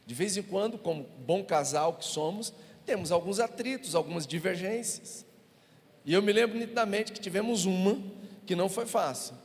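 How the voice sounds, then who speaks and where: Brazilian pastor guy preaching, jokes around with the crowd, kinda high voice, rough and gravelly. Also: normal speed. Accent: Brazilian Portuguese. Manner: humorous storytelling with the congregation. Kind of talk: sermon. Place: church hall. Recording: reverberant church hall.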